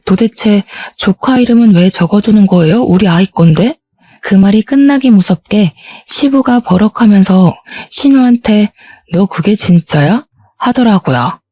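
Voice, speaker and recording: A woman narrating a scripted first-person story with a mellow, warm tone and an indignant edge to her telling. The recording is close and dry, with no echo around the voice. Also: medium pitch, moderate pace. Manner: indignant, even-paced retelling.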